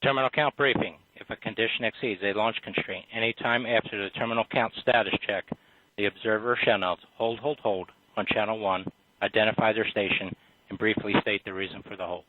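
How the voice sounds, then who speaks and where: A man's voice: lowish voice, fairly even intonation, a little fast, slight background noise. A man on the launch team reading a countdown briefing in a formal, procedural way, heard over a walkie-talkie radio channel. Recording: tinny radio channel audio.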